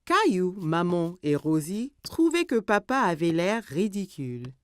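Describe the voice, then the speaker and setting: A woman narrating a children's cartoon story in an expressive, scripted storytelling style. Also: on the low side, unhurried.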